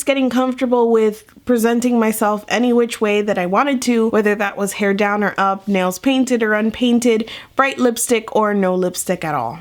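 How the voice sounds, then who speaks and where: A young adult woman whose first language is Spanish, speaking candidly in a reflective, rambling way as a book-review vlogger. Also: fairly high pitch. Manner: thoughtful, candid, rambling with asides. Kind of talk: reflective talking-head vlog.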